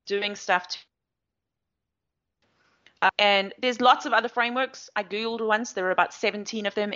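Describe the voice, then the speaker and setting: With a medium pitch and a sharp edge to her tone, this South African woman speaks as an agile coach, giving long, chatty interview answers full of fillers. She explains things at length in a talkative way. The audio sounds slightly dull.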